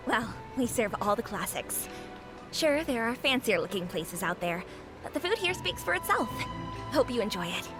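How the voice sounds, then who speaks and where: A woman's voice: on the high side, big pitch swings, a little slow, pauses often, low-quality recording. A woman voicing a friendly restaurant keeper who chats in a confiding, gossipy way. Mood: chatty. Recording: game audio with music behind.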